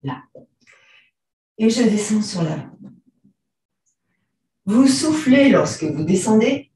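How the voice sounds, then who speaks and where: Female yoga teacher, unhurried gentle cues, mellow tone, heavy room echo, mic set far away. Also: medium pitch. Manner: slow, calm, gentle cues with frequent throat clearing. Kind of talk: guided stretching class instructions. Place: large room during an online class.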